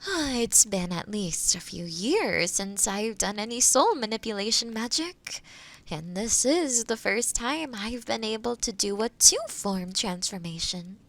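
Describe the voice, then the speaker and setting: A woman playing a kind, gentle forest witch in an audio roleplay, speaking softly and soothingly to the listener. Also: medium pitch, animated, measured pace. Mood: grateful, musing. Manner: soothing, caring, softly breaking into whispers. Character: kind, gentle forest witch who loves helping others.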